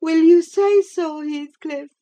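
A woman voicing a feverish, dying young woman who is bitter and vindictive, speaking in shrill anguished accusations. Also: slow pace, warm tone.

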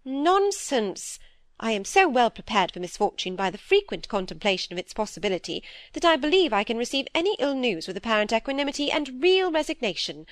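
A woman voicing a severe, brisk elderly spinster who speaks in a commanding, impatient way. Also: a little high, sing-song, no echo, clean studio sound, voice pushed up. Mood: stern.

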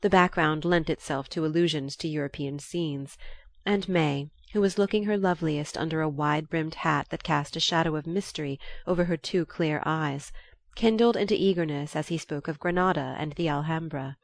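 A woman narrating a novel aloud in a calm, even storytelling manner. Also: low voice, moderate pace, vocal fry, no room sound. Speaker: audiobook reader.

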